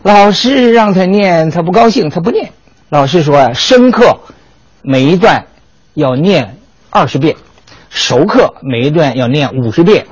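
Older man, history lecture, lively storyteller, animated swoops in pitch, slightly husky voice, dry close sound. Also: unhurried, no echo. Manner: lively storyteller, animated, asks rhetorical questions.

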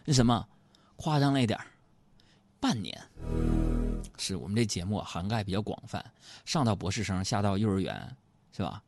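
Teasing man doing a lively comic monologue. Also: lowish voice, moderate pace, gravelly, long pauses, soft background music. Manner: teasing, mock-complaining. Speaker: host.

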